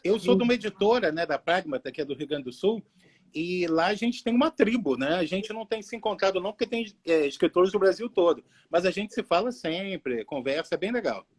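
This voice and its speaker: A man from Rio with a Carioca accent, an author talking about his books in a casual livestream interview, friendly and relaxed. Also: sits high, brisk, breathy edge. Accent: Carioca Brazilian Portuguese. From Rio de Janeiro, Brazil. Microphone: phone livestream.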